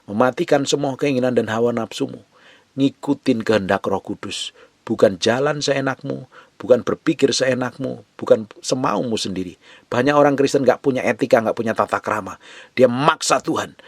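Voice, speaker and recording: Impassioned pastor preaching up close. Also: male voice, mid-range voice, dry recording. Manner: swings from loud urgent exhortation to soft hushed pleading. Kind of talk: sermon.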